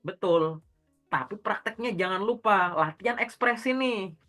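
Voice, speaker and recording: A man with a bright, forward voice coaches someone one-on-one in a relaxed, slangy way. He fires off rhetorical questions and answers them himself. Faint music plays underneath. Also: sits high, a little slow. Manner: direct, instructive, uses everyday slang. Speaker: career coach. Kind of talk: casual one-on-one coaching talk.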